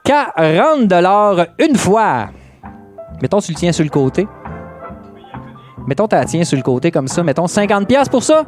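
A high-voiced man with a Québécois accent runs a live auction as emcee, joking his way through each lot. He stretches the bid calls out and swings his pitch all over the place, with faint music playing behind him. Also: sing-song, brisk, pauses often, darkish tone. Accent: Québécois French. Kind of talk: live comedic auction calling.

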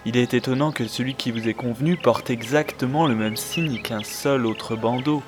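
A man voicing a mysterious old shopkeeper who speaks in a drawn-out, ominous way, in a fan cartoon dub. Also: medium pitch, over music, natural voice. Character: slow, mysterious old male headband seller.

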